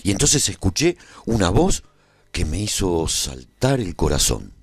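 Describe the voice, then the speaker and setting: Male actor as seasoned adventurer, very deep voice, animated dramatic storytelling, radio serial narration, dry sound. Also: a little slow, slightly rough, no room sound, exaggerated voice. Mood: dramatic, solemn. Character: battle-seasoned adventurer man recounting a daring rescue. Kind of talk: scripted dramatic first-person narration.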